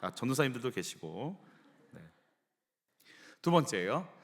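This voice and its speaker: Animated Korean pastor preaching. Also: male voice, medium pitch, measured pace, big-room sound, a little hiss or hum. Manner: animated storytelling, acting out quoted voices. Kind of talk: sermon. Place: church sanctuary.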